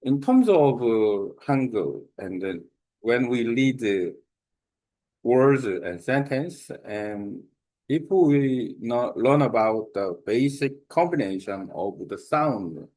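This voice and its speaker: A man with a Korean accent, a native Korean speaker, giving an informal spoken lesson on language learning, halting with many fillers and restarts. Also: mid-range voice, expressive, dark tone. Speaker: language exchange host.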